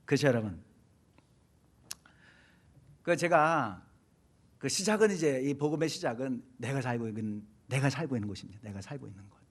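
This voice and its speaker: Man, middle-aged, from Korea, pastor's sermon, hesitant storytelling, medium pitch. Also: lively intonation, normal speed, pauses often. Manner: storytelling, frequent hesitations and repeated phrases.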